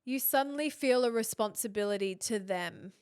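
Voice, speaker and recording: A middle-aged woman co-hosting a podcast, talking in a candid, emphatic way and often agreeing quickly. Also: on the high side, darkish tone, clear, resonant tone, dry recording, clean studio sound. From Australia. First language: Thai and English. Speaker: podcast co-host. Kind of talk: casual chat.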